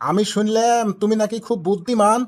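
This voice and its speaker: A man's voice: high-pitched, little pitch movement, a little fast, natural voice. Wily village father-in-law played by a man, Rajshahi Bengali accent, teasing and questioning, for cartoon comedy. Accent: Rajshahi Bangladeshi Bengali. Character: wily, bantering village father-in-law who tests people. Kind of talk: amateur cartoon comedy dialogue.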